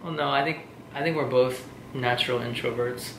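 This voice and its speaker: A young Texan man with an American accent co-hosts a vlog, chatting casually in a mid-range, fairly bright voice with fairly even intonation at normal speed. The room is echoey, with clear background noise.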